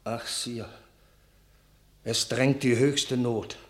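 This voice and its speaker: A man's voice: mid-range voice, steady tone, very slow. A man playing an anxious councillor of a besieged town in a classical radio drama, declaiming solemnly. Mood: grave, pleading.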